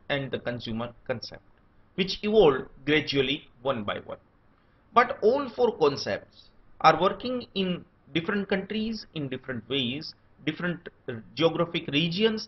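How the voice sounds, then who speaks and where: Male lecturer, Indian accent, steady itemized delivery, lively intonation, muffled lo-fi recording. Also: a little high. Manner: steady enumerating delivery, lists points one by one. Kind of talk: scripted academic lecture. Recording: dull lo-fi recording.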